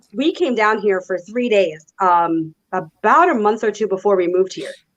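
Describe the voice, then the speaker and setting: Speaking in a New York accent, a woman uses a medium pitch, a moderate pace and lively intonation. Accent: New York accent, still noticeable. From New York, Queens, Nuyorican. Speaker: pro wrestler. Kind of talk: casual chat. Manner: loud.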